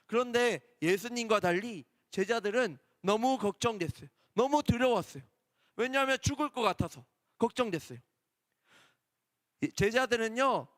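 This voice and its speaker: A man preaching a children's Sunday sermon in a church. He speaks gently, repeats key points and asks the children questions. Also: high-pitched, no room sound, clean studio sound, long reverb tail. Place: church worship hall.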